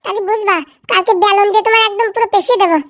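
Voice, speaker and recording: A bossy village housewife for a comedy cartoon, in an extremely high, squeaky voice. She scolds at a furious speed, sarcastic and scornful, and the sound is close and dry. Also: fairly even intonation, a bit bright, no room sound. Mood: scolding, sarcastic. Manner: scolding, sarcastic, rapid-fire complaining.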